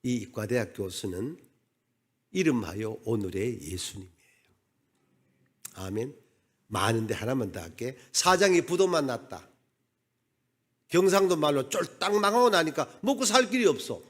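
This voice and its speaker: A man's voice: on the high side, moderate pace. A middle-aged man preaches a storytelling sermon. His slightly raised voice rises and falls a great deal as he acts out the people in his stories. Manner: animated storyteller, acts out dialogue. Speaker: pastor.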